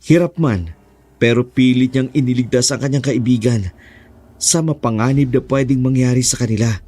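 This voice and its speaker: A man's voice: mid-range voice, normal speed. A man with a Filipino accent narrating a horror story with dramatic delivery. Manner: dramatic, shouting in fight scenes.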